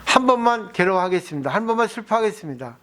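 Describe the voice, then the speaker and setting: A man's voice: high voice, expressive, fast, fairly bright tone. A male Buddhist monk giving a dharma talk, explaining patiently and asking his listeners rhetorical questions.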